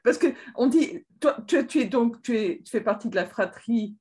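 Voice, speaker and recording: A woman in her sixties interviewing a guest on a video call, asking soft, prompting questions through an earbud headset. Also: a little high, lively intonation, normal speed, husky.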